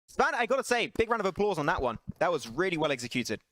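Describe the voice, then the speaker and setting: A man casting an esports match alone, excitable and chatty, laughing and bantering with his stream chat between calls. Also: high-pitched, quick pace, no room sound. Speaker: esports caster. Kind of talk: solo esports play-by-play commentary.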